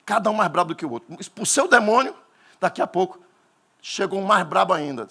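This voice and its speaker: Pastor, male, Northeastern Brazilian accent, fiery sermon delivery, lively swinging pitch. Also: fast talker, gravelly. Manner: animated preaching, bursts into shouting at climaxes.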